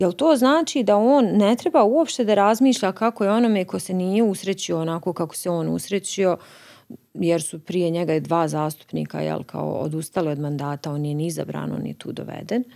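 Against a quiet background, a woman is speaking. She keeps a moderate pace. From Bosnia and Herzegovina. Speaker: film director and activist; podcast guest. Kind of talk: interview. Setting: studio. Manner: halting, many repetitions. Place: studio. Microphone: studio mic.

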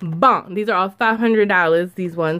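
A woman speaks with lively, bouncing intonation. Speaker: budgeting vlogger. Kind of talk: casual vlog chat. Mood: cheerful, playful. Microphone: phone near.

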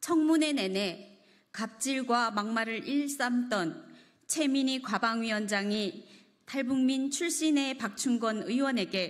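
A woman speaks in a high pitch with lively intonation. Her pace is very slow against a quiet background. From North Korea. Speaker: political party spokesperson. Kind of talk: press conference statement. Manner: formal. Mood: indignant, demanding apology. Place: hall. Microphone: podium.

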